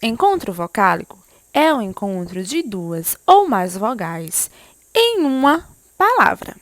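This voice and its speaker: A woman's voice: mid-range voice, big pitch swings, takes it slowly, dry recording. A woman teacher giving a remote lesson to young pupils, explaining step by step and often asking them questions. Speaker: primary school teacher.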